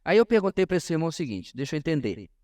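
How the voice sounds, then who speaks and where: A man with a Brazilian Portuguese accent teaches a church class as a pastor, in an informal sermon style, emphatic and often pausing to address his listeners directly. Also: on the high side, very animated, darkish tone. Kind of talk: informal sermon-like lesson to a congregation.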